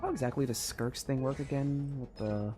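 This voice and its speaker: A man's voice: mid-range voice, normal speed. A man streaming a video game, giving casual live commentary and thinking aloud as he plays. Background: game music.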